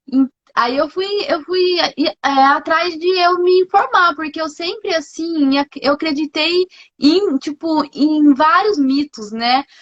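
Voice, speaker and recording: At a very slow pace, a woman speaks with an extremely high pitch and ordinary pitch variation. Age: young. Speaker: person who stutters. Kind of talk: live interview. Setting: video call (live stream). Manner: halting, many repetitions. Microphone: unstable connection.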